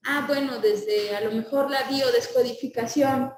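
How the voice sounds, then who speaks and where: A woman's voice: sits high, steady tone, a little slow, echoey room, far from the mic, crowd noise. A woman teaching a class, lecturing and asking her students questions before answering them herself.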